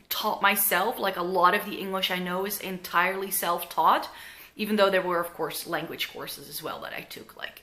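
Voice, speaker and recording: A woman's voice: lowish voice, sharp tone. A young Dutch woman with a mixed Dutch and American accent, chatting casually to camera in her living room, rambling with plenty of fillers. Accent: Dutch with some American. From Netherlands. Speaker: beauty vlogger. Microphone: camera in front at close range.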